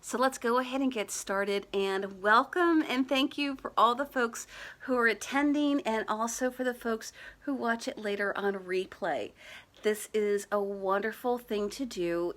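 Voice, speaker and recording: Woman wellness coach, soft reassuring delivery, chatty with filler pauses, mid pitch. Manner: gentle, reassuring and conversational, with frequent "uh" fillers. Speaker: EFT tapping coach. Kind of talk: guided wellness talk to a live online audience.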